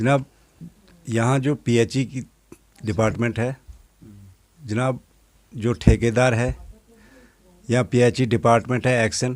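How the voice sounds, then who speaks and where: Speaking at medium pitch with fairly even intonation, a man leaves long, frequent pauses. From Jammu and Kashmir, Mahore area. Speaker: local resident. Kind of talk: interview with reporter.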